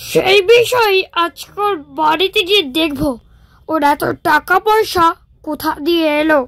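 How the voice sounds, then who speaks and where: Woman voicing a high, bright scheming cartoon husband. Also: moderate pace, no echo. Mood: sly, curious. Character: scheming, greedy younger brother, a village husband and thief. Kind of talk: Bengali cartoon moral story dubbing.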